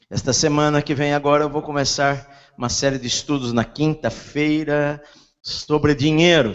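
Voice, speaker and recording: A Brazilian man preaching a sermon as a pastor, talking with his mouth barely open. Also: fairly high pitch. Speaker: pastor preaching at a church service. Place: large indoor church hall during a service. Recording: muffled, reverberant large church hall.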